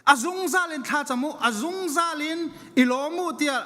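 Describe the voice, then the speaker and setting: High-pitched, fervent male preacher in echoing hall. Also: moderate pace, pushed and bright. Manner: emphatic, repeats phrases for stress. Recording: long echoing hall reverberation.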